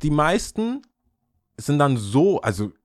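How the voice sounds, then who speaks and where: A man in casual chat, animated, acting out quoted lines and often trailing off and restarting. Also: a little high, slow, dry recording, studio quality.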